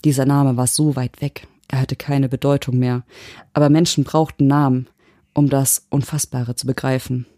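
A woman from Germany reading a dark short story in even, measured narration. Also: very deep voice, dry recording, studio quality. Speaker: audiobook reader. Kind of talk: scripted narration.

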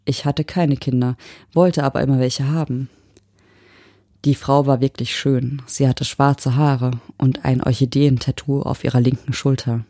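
A woman from Germany narrating a short story in a measured, even way. Her voice is mellow and warm. The recording is dry and close to the mic. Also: extremely low pitch, dry recording. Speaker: audiobook reader. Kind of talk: scripted narration.

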